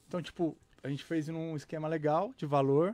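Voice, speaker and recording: This man's voice sits high in pitch and moves at a moderate pace. The sound is dry, with no echo. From Brazil, ABC region of São Paulo; São Paulo, Brazil. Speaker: merchandise company founder; guest. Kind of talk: casual chat. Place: studio. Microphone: studio mic.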